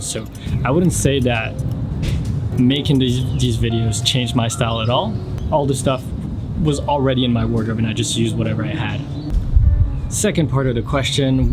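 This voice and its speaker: Young man answering questions over music. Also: medium pitch. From France. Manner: relaxed, reads questions aloud then answers at length. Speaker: fashion YouTuber. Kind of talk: casual Q&A vlog. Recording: music playing underneath.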